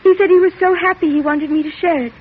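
An actress playing a frightened, hysterical young daughter who answers in a trembling, tearful voice, in 1940s radio drama style. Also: female voice, very high voice, fairly even intonation, fast talker. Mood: shaken. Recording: tinny old radio broadcast with hiss.

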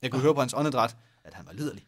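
A man's voice: medium pitch, lively intonation, noisy background. A man reading a story aloud in a mock-dramatic way, joking and laughing with a co-host. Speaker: podcast co-host reading fan fiction aloud. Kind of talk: comic read-aloud with banter.

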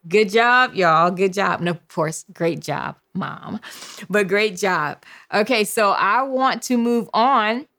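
A woman hosting a podcast Bible lesson, leading call-and-response memorization with drawn-out phrases. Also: mid-range voice, fairly bright tone. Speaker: podcast host and Bible teacher.

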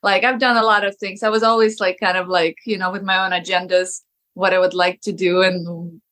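A woman from Ukraine with a Ukrainian accent, an actress telling lively stories in an interview, often saying "like". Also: on the low side, a little fast. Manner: lively storyteller, laughs often, many "like"s. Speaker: actress, guest. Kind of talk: casual interview.

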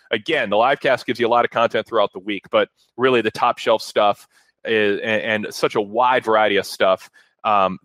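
Male talk radio host, lowish voice, dry close sound, rambling and conversational. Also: a bit bright, no room sound. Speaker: show host. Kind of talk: casual talk radio hosting.

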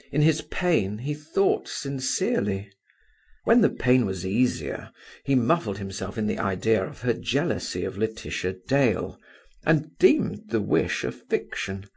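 A man reading a literary novel as an audiobook, measured and expressive. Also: medium pitch, creaky, husky. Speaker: audiobook reader.

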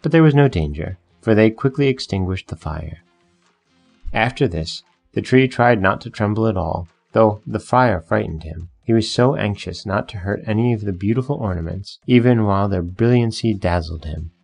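A man narrating a fairy tale in a measured, gentle storytelling manner. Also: on the low side, animated, vocal fry, faint music behind.

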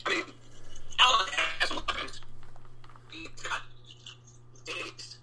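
A man arguing sports in casual debate, his voice coming through a glitchy online call that breaks up with jumping, robotic pitch. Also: slow, bright, forceful tone. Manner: argumentative, emphatic. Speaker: podcast co-host.

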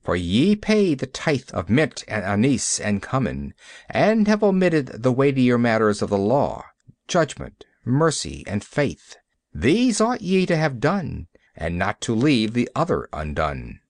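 A man voicing a troubled, stern minister who speaks in a deep, grave preaching cadence. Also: wildly swooping pitch, measured pace, no echo, studio quality. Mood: denouncing. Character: troubled, stern middle-aged male minister.

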